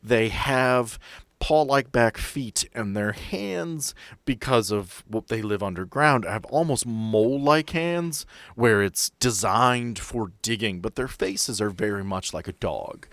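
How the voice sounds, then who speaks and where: A man's voice: on the low side, animated, slow, fairly bright tone, no echo. A man working as game master, narrating a tabletop role-playing game in a descriptive, explanatory way with asides.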